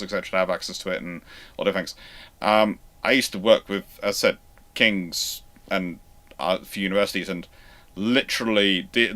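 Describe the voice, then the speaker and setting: A man hosting an unscripted livestream, answering questions in a halting, rambling way with repeated and restarted phrases. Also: on the low side, a bit bright. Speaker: host of a naval history livestream.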